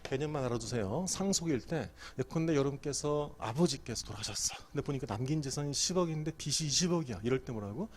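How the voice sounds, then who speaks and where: A man's voice: medium pitch, lively intonation, fast, hardly any pauses, slight background noise. A middle-aged man giving an exam prep law lecture, quizzing students and answering his own questions.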